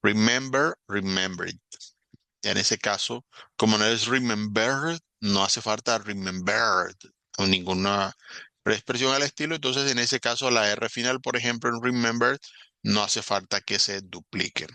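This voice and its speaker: A man's voice: fairly low pitch, a little slow, sharp tone, dry recording. A man, an English teacher explaining grammar in a recorded online lesson, patiently and step by step.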